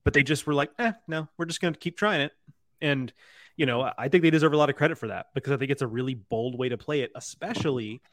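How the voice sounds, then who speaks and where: A man's voice: medium pitch, fast, fairly bright tone, dry recording. Male podcast panelist, dry close sound. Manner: repetitive, doubles words for emphasis. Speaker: college baseball podcast panelist. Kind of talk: casual sports podcast talk.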